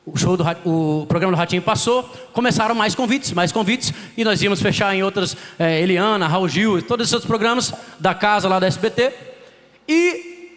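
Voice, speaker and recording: A man's voice: high-pitched, a little fast, a bit bright, in a large hall. A man, a pastor, telling his testimony in a sermon, acting out the dialogue as he goes. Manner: dramatic storytelling, acting out dialogue. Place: church.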